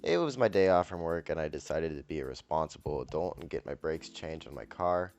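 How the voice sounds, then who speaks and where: A man telling a personal story in a flat, deadpan monotone, with soft music playing behind him. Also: a bass voice, a little fast. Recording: faint background music.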